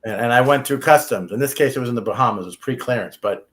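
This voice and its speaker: A man's voice: mid-range voice, fast talker, fairly bright tone. A man from the United States, an immigration attorney giving practical advice on a talk show, often restarting his sentences. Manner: practical, repeats himself when starting sentences.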